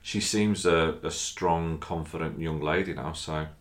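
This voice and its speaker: A man's voice: a bass voice, steady tone, measured pace. A man with a Northern English accent that has a slight Scouse twang, co-hosting a podcast in a jokey, playful way. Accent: Scouse-tinged Northern English. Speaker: podcast co-host. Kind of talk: casual chat. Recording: roomy echo.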